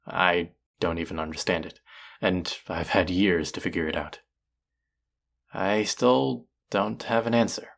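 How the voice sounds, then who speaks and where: A man playing a low, gravelly, unhurried romantic rival chef. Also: full character voice. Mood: flustered, earnest. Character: cocky, teasing male chef confessing love to his rival. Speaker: audio roleplay voice actor. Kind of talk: intimate romantic audio roleplay acting.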